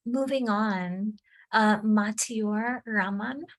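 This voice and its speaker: Female facilitator, friendly and informal, unhurried pace. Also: mid-range voice. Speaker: meeting facilitator. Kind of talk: online meeting facilitation.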